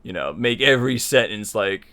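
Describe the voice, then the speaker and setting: A man's voice: fairly low pitch, lively intonation, moderate pace, bright, forceful tone. A man hosting a tutorial, explaining his opinions in a conversational, rambling way and repeating himself for emphasis. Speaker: tutorial series host. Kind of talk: informal spoken lesson, opinionated explanation.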